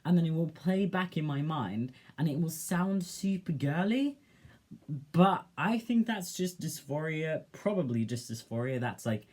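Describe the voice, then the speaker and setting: Soft-spoken young man musing on camera. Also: a little high, lively intonation, a little slow. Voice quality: soft, gentle voice. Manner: reflective, hesitant, with many fillers. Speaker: vlogger. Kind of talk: casual personal vlog.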